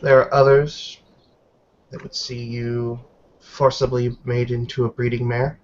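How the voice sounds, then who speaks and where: A man's voice: medium pitch, level tone, natural voice. Man playing a stern, formal tribal grandmother, dull audio. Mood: grave, stern. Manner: formal, deliberate, halting phrasing. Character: stern elderly tribal matriarch sitting in judgement, measured. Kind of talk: tabletop roleplay in character. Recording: dull online call with background noise.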